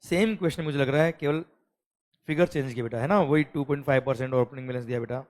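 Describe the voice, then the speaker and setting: An Indian man teaching an exam-prep lecture, mixing English and Hindi, calling students "beta" and asking "clear?" often. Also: medium pitch. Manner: calls students "beta", asks "clear?" often, reads English questions slowly.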